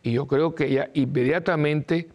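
A man's voice: fairly high pitch, steady tone, moderate pace, a little mellow. A man, a Catholic priest giving an informal, emphatic talk, often repeating short no's.

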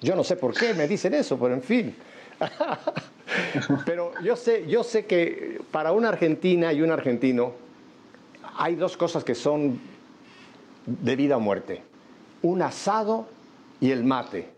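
A man's voice: on the high side, sing-song, measured pace, long pauses, a little mellow, slight background noise. An older man hosting a Spanish-language radio interview, chatty and jovial. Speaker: radio host. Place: studio in Miami.

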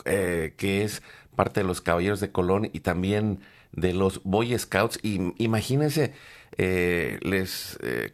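Slow low-voiced male host. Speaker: studio host. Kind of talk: live broadcast presenting.

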